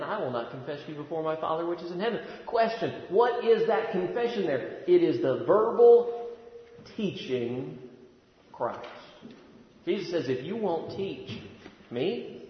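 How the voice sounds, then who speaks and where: A man with a fairly high voice delivers a sermon, punching key words loudly before sinking back to a hushed tone. The recording is dull and lo-fi, and it rings with the long reverb of a large church hall. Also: a little hiss or hum. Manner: emphatic preaching, swelling loud on key words then dropping low. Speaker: preacher.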